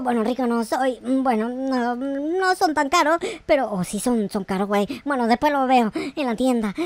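A naive young boy gamer with a very high voice. He is excitable and whiny, exclaiming melodramatically and repeating words over and over as he roleplays through a video game in slangy speech. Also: no echo. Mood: pleased. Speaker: gaming video creator.

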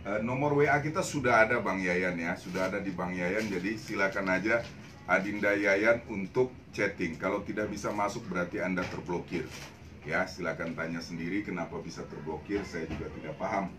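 A man's voice: low-pitched, a little fast. An older man, chatting upbeat and casual as he sells clothes on a live stream from a small shop. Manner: chatty, upbeat, repeats greetings and slang. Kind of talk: casual live-selling chat. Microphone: phone camera across the shop. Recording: echoey shop with loud noise.

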